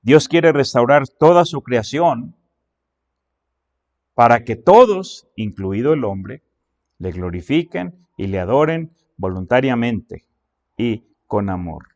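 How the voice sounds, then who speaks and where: A man's voice: mid-range voice, lively intonation, slow pace, darkish tone, dull audio. A man preaching a sermon as pastor. He reads scripture aloud and counts off his points, repeating phrases for emphasis.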